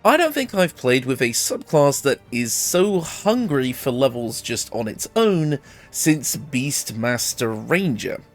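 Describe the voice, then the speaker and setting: Soft music plays behind a gaming video creator presenting a character build guide, his mid-range voice very animated but slow. He explains things informally and conversationally, sounding a bit ill as his voice recovers after being lost.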